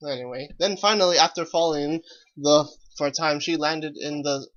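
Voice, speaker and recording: A man's voice: on the high side, moderate pace, fairly bright tone, lo-fi sound. A man reading fan fiction aloud as a co-reader, casually joking about it as he goes.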